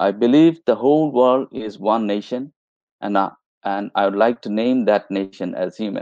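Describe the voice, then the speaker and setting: This man has a dark, mellow tone, a Bengali accent and lively intonation. The sound is dry with no echo, over a quiet background. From Bangladesh. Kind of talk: reading group discussion. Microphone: video call.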